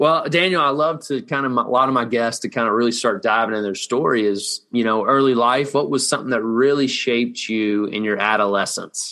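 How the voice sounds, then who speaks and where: A man with a Southern US accent speaks at a medium pitch in a bright, sharp tone, with ordinary pitch variation. His pace is fairly quick with hardly any pauses, against a quiet background. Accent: Southern US, turned up. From US South, Alabama. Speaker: podcast host. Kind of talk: podcast interview. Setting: video call.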